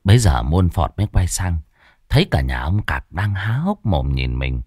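A man tells a ghost story with dramatic, expressive narration. His voice sits low with a very lively pitch. The sound is close and dry. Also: moderate pace, husky, no room sound.

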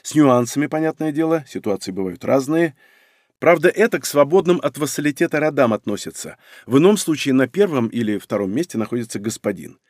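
A man narrating an audiobook in the first person, wry and conversational, with a lively, rising and falling voice. The reading is close and dry. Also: mid-range voice, fairly quick, no room sound.

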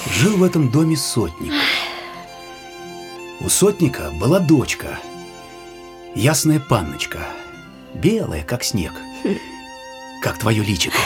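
Young man telling a tale, very animated. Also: mid-range voice. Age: young adult. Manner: tender, teasing storyteller. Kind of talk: radio play acting.

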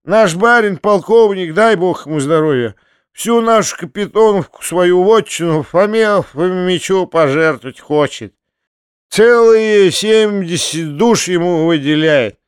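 A shabby, half-drunk carpenter with a thin, rattling voice that sits high above the reader's own, drawling in a slow, mournful way with a spiteful edge, as a male audiobook reader puts him on. The sound is dry and close, with no room around it. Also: lively intonation, clean tone, no room sound. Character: drunken ragged middle-aged male carpenter.

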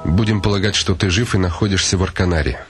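A weary nobleman, played by a man, muses in a low, dryly ironic voice, thinking aloud to himself. Loud music plays under his radio-play monologue. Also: quick pace, close to an everyday voice. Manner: brooding, dryly ironic musing.

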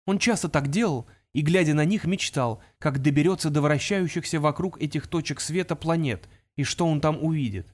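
A man's voice: a little high, a little mellow. Man narrating an audiobook dramatically.

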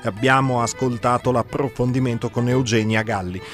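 Man, radio host, studio, reading event listings, mid pitch, brisk announcer delivery, soft music bed behind. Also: fairly even intonation.

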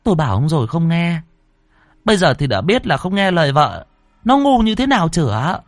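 A man voicing a sharp-tongued middle-aged wife scolding her husband quickly. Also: a little high, very animated, dry recording, clean studio sound, pitched above the performer's own voice.

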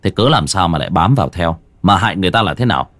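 A man's voice: low voice, animated, very fast, a bit bright. A man playing a brash, foul-mouthed young exorcist who scolds and interrogates. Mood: scolding.

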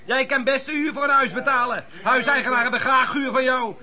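An actor playing a blunt, mocking lodger in a radio play, with a needling manner. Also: male voice, extremely high pitch, steady tone, a little fast, pushed and bright, full character voice.

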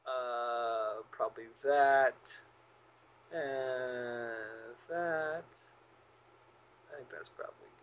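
A man's voice: mid-range voice, steady tone, drawn-out words, long pauses, smooth, lo-fi sound. A man co-hosting a casual podcast chat, sardonic and swearing freely. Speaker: podcast co-host.

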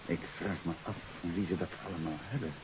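An actor playing a shrewd, authoritative detective in a 1950s radio drama, speaking in a probing, deliberate way. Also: male voice, low voice, fairly even intonation, a little mellow. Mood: composed. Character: shrewd, authoritative male amateur detective confronting a suspect. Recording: muffled 1950s radio recording with hiss.

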